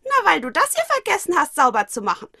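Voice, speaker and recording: A woman's voice: very high voice, wildly swooping pitch, quick pace, vocal fry, sharp tone, no room sound, studio quality, pitched above the performer's own voice, heavily acted. A woman voicing a small, cheeky black creature in a storybook reading. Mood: cheeky scolding. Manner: cheeky, teasing. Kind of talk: audiobook reading of fan fiction.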